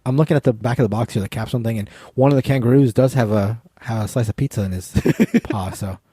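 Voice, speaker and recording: Male podcast co-host, quick and animated delivery, dark husky tone, playful ribbing. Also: mid-range voice, no room sound, clean studio sound. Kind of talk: casual board game chat.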